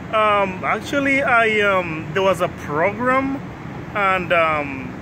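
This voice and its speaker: A man's voice: high-pitched, lively intonation, slow, background noise. A man in his thirties from Uganda, a guest in a casual interview, who speaks hesitantly with many ums and restarts. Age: 30s.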